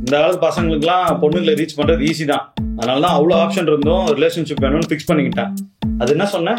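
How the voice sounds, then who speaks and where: Young man acting, exasperated blunt boyfriend in a comedy short, rapid delivery, roomy sound with loud music. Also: on the high side, natural voice. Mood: blunt, candid. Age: young adult. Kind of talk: naturalistic colloquial phone dialogue.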